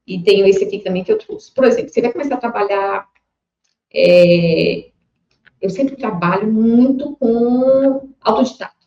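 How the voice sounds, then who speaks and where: A woman from Brazil teaching a recorded lecture, talking in a lively, expressive way. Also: medium pitch, moderate pace. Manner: lively, expressive classroom talk. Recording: muffled, roomy lecture recording.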